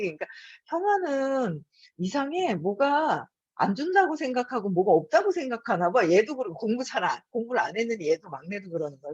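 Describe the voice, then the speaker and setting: A woman's voice: on the high side, breathy edge, no room sound. A woman in her fifties hosting her own channel, telling a home story in a chatty, casual way and laughing often between her words. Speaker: host. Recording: dull lo-fi recording.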